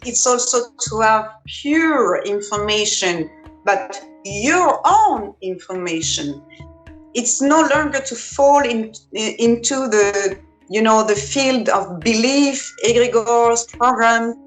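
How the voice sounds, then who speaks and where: A woman's voice: a little high, lively intonation, slow, faint music behind, poor audio. A woman with a French accent, a holistic practitioner explaining spiritual ideas earnestly in English while searching for words. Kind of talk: spiritual teaching conversation.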